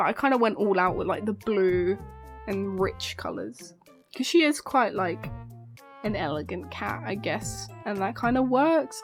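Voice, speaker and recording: A woman speaking at a fairly slow pace, music in the background. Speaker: digital artist. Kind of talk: casual speedpaint voiceover commentary. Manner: casual, hesitant, many filler words.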